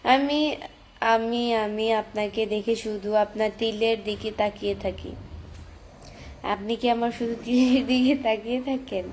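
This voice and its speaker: A woman's voice: on the high side, steady tone, unhurried, a little mellow, a little hiss or hum. A teenage girl with a Chandpur Bengali accent chatting on a live stream, reading viewer comments aloud and answering them on her phone. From Bangladesh. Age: teens.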